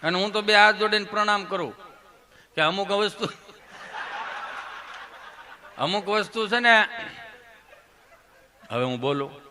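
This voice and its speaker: A man doing stand-up storytelling on stage, animated, swinging from soft asides to loud outbursts and calling the audience sir. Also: high voice, moderate pace, noisy background. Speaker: stand-up comedian.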